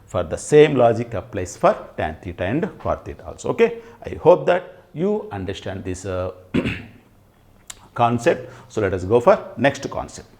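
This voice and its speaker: A man's voice: lowish voice, sing-song, moderate pace, darkish tone. A middle-aged man with a Telugu accent teaching at a whiteboard, emphatically repeating phrases and asking himself questions. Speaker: maths teacher. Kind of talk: classroom lesson at a whiteboard. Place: indoors at a whiteboard. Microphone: lapel mic.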